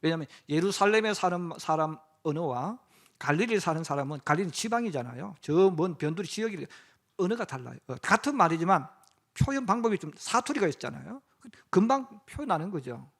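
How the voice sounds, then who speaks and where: High-voiced Korean pastor preaching. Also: male voice, expressive, brisk, a bit bright. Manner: acts out quoted lines in dramatic voices. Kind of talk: sermon.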